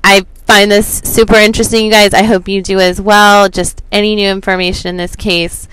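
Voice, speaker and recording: A woman's voice: mid-range voice, level tone, a little fast, a bit bright, clean tone, dry recording, rough recording. A woman hosting an online video, giving informal commentary and explaining things to viewers step by step. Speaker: host of a true crime video channel. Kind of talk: informal commentary going through figures for viewers.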